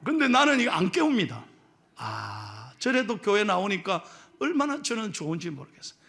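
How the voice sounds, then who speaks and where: A middle-aged male pastor with a Gyeongsang accent, preaching a sermon in a joking, lively way and teasing his congregation. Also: sits high, normal speed, creaky. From Gyeongsang region of Korea. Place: church sanctuary.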